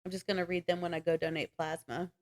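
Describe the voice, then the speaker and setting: A woman's voice: on the low side, flat delivery, quick pace. A woman co-hosting a podcast, chatting casually about books in an informal, slangy way. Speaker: podcast co-host. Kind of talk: casual book chat.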